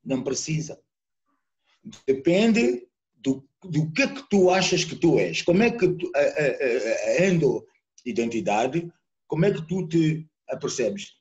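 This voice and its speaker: Giving a reflective guest lecture live online from home, a Mozambican poet and sociologist with a Mozambican Portuguese accent stops to search for words and repeats them as he thinks. His voice is fairly high, expressive and a little mellow. The sound from his computer or phone mic on the video call is lo-fi.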